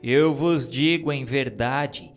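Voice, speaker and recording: Man doing a grave, slow spirit sermonizing over faint music. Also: mid-range voice, natural voice. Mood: solemn, exhorting. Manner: grave, measured, declamatory. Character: solemn divine male spirit preaching. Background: soft music.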